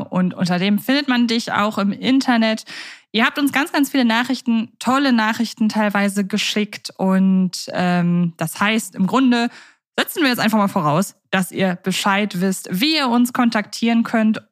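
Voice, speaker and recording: A woman's voice: mid-range voice, normal speed, no echo, studio quality. A woman co-hosting a podcast in a conversational style, phrasing things in a wordy, careful way. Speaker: podcast host.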